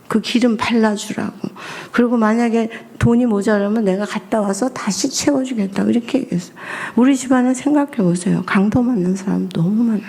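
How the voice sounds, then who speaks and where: A middle-aged woman missionary preaching at a Friday prayer meeting, asking the congregation questions. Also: fairly high pitch. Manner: lively, asks the congregation questions. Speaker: missionary and family counselor.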